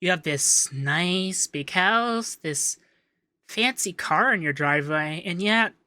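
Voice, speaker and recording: Man acting a bright-voiced, coy, effeminate young accountant. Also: high-pitched, animated, takes it slowly, clear, resonant tone, no echo, heavily acted. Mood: polite, businesslike. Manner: coy, teasing, lilting, hesitant in places. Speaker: ASMR voice actor. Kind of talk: ASMR roleplay.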